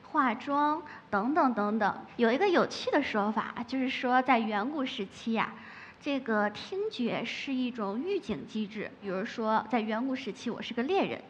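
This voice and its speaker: A high-pitched woman gives a lively stage talk about her ASMR work and explains it with playful asides. Her voice rings through a large hall with a long echo. The sound is a little dull, with faint noise underneath. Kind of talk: public talk.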